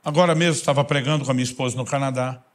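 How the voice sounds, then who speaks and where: A man with a Brazilian Portuguese accent, preaching a storytelling sermon that swings between loud bursts and hushed intensity. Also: mid-range voice, fairly even intonation, rapid-fire. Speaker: pastor.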